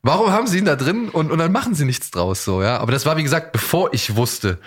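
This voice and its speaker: A man's voice: fairly high pitch, lively intonation, fast talker, slightly rough. A man chatting casually as a podcast co-host.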